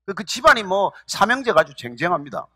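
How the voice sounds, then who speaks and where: A middle-aged male pastor giving a sermon, telling a story with animated quoted speech. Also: high-pitched, quick pace, no echo, studio quality.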